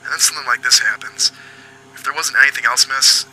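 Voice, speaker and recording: A man playing a foul-mouthed but apologetic police agent in an audio drama, questioning politely and haltingly. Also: mid-range voice, bright, forceful tone, low-quality recording. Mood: probing, determined. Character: foul-mouthed, apologetic male detective agent hunting a killer.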